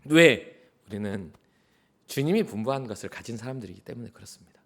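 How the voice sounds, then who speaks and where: Animated middle-aged male pastor preaching. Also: mid-range voice, brisk. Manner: animated, conversational, acts out quotes, drops to soft whispers. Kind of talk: sermon. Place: church sanctuary.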